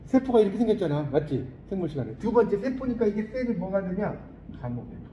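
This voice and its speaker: A man teaching an English class, quizzing his students and reading English phrases slowly and deliberately. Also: sits high, reverberant, slight background noise. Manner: lively, quizzing students with questions.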